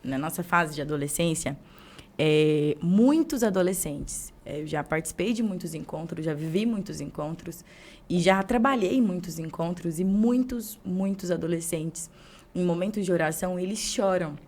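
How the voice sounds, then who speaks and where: A woman's voice: lowish voice, normal speed. A young woman with a Brazilian Portuguese accent hosting a podcast, telling stories animatedly and acting out bits of dialogue. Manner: animated storyteller, acts out dialogue. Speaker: podcast host. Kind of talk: casual interview chat.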